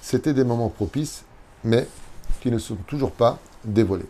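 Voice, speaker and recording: The man's medium-pitched voice has a dark, mellow tone and ordinary pitch variation, moving at a fairly slow pace with long, frequent pauses. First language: Hebrew (speaking French). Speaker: rabbi. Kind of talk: reading aloud with commentary. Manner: halting.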